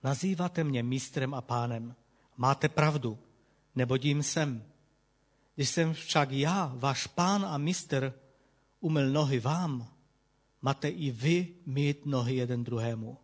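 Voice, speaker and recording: A man reading the words of Jesus, a calm grown man teaching his disciples, in a measured, solemn way. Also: mid-range voice, natural voice.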